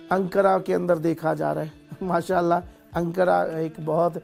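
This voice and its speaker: Man, call-in show host, high voice with a rough fry, live on-air explaining, trips over foreign place names. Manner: thanks callers and blesses them warmly.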